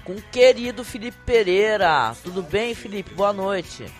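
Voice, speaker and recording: A Brazilian woman hosting a casual podcast, very hoarse from a cold, with a deep, guttural, smoker-like rasp. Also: expressive, measured pace, soft background music. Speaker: podcast host.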